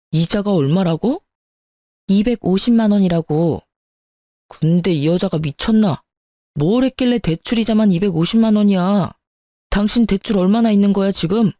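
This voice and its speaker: Brief: woman reading as a grasping husband, whiny and accusing, warm dark voice, middle pitch. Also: normal speed, long pauses, no echo, clean studio sound, close to an everyday voice. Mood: furious. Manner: petulant and accusing. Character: greedy, demanding young husband.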